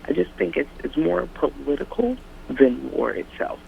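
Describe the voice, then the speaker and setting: A man calling in to a radio talk show, rambling and hesitant with many pauses. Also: a little high, expressive, gravelly, a little hiss or hum. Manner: rambling, hesitant, full of ums. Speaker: caller. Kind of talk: phone-in call. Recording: dull lo-fi phone line.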